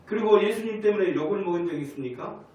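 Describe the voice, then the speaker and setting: A man with a high voice preaches in a Sunday service and swings his pitch up and down as he throws questions at the congregation. The sound comes from a distance in an echoey church hall, with a faint hum of the room behind him. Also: lively intonation, fast talker, warm tone. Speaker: pastor. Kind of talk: sermon. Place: church sanctuary.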